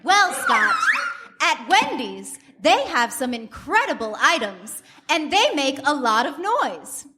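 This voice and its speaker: A woman's voice: high voice, sing-song, takes it slowly, bright, forceful tone. A woman performing a mock sponsor read in an exaggerated presenter style in a live staged radio comedy. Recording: noisy live theater stage recording.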